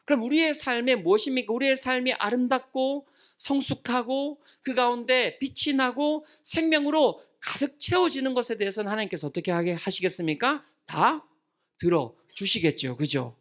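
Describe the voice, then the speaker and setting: A man's voice: very high-pitched, moderate pace, fairly bright tone. A middle-aged male pastor preaching a prayer-meeting sermon, asking the congregation questions and answering them himself. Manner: acts out scolding parents and children.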